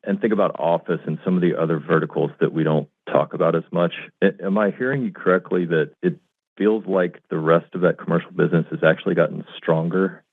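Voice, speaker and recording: A man's voice: sits low, fairly quick, husky, no echo. A man working as a financial analyst, politely putting questions on an earnings call over a phone. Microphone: telephone. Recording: dry, tinny narrowband phone line.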